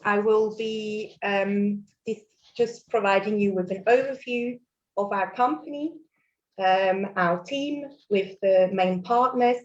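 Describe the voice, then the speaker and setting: A woman's voice: medium pitch, slow pace, dull audio. A Swiss woman whose first language is German, presenting a mortgage webinar in a friendly way with fillers and small laughs. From Switzerland. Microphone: video call.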